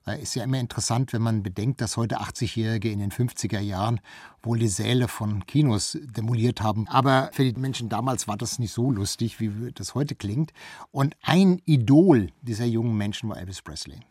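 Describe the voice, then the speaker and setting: A man's voice: mid-range voice, a little fast, a little mellow, husky, no echo. A man explaining cultural history in a conversational, informative way. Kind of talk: explanatory spoken commentary on history.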